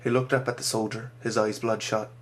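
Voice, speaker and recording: A man reading his own dramatic short story aloud, measured and slowing for grim moments. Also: lowish voice, flat delivery.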